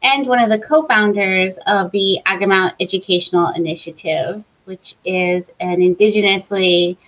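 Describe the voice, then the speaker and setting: A woman answering interview questions as an educator, speaking slowly and deliberately as she explains. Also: lowish voice. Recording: muffled lo-fi sound.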